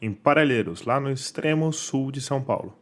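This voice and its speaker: A man's voice: medium pitch, normal speed. A Brazilian man hosting a podcast, reading scripted documentary narration over a music bed.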